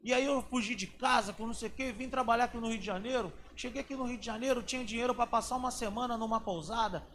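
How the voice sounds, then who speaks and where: A man's voice: very high-pitched, fast, few pauses, a bit bright, a little hiss or hum, voice pushed up. A man voicing a dejected young homeless man with a Minas Gerais accent, talking in a plaintive, slangy way.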